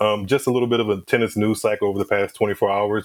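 This man has an American accent and a fairly low pitch. He talks at a very fast pace with monotone, flat intonation. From US South, New Orleans. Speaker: podcast host. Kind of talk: casual chat.

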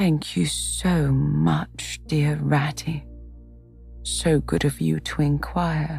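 A put-on character voice speaks at a very slow pace. Music plays clearly in the background. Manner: polite and frail.

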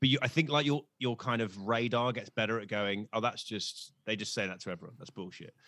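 A man with a British accent talks at a fairly quick pace with hardly any pauses, his medium-pitched voice bright and sharp in tone with ordinary pitch variation. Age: 30s. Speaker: comedian. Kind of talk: casual chat.

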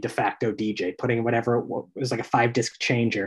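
A man with a normal speaking voice and an American accent, medium pitch, moderate pace, quiet background. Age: 30s. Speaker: satire website co-founder and editor. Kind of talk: casual chat. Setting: video call.

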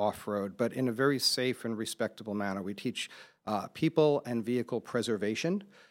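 A man with an American accent speaks at a medium pitch in a normal speaking voice, with ordinary pitch variation, on a very clean recording with a silent background. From Long Island, New York. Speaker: off-road driving business owner. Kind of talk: interview. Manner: frequent filler words (um, uh).

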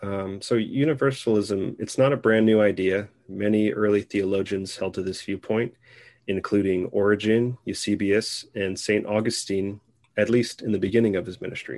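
Over a quiet background, a man with an American accent and a normal speaking voice talks at a moderate pace, fairly low in pitch with fairly even intonation. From New Jersey. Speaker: video editor, podcast co-host. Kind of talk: interview conversation.

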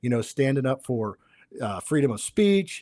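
A man with an ordinary speaking voice talks at a moderate pace and a medium pitch. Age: 30s. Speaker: January 6 defendant and podcaster. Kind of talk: interview testimony.

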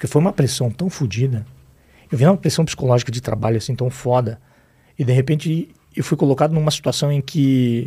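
With a dark, mellow tone and a somewhat breathy quality, a man speaks at a medium pitch and a fairly quick pace with ordinary pitch variation. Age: 40s. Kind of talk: casual chat. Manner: animated.

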